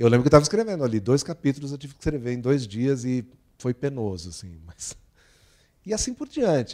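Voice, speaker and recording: Speaking at a fairly quick pace against a quiet background, a man with a medium pitch and a dark, mellow tone makes very wide pitch swings and big swings in loudness. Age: 50s. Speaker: writer and journalist; guest. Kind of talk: talk at a book event with Q&A; interview answer. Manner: halting. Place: stage. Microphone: handheld.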